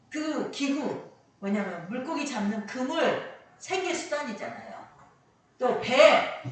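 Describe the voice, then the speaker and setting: A woman preacher giving a Sunday sermon, emphatic, repeating key lines for weight. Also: mid-range voice. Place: church sanctuary. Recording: echoey hall, distant mic, faint noise.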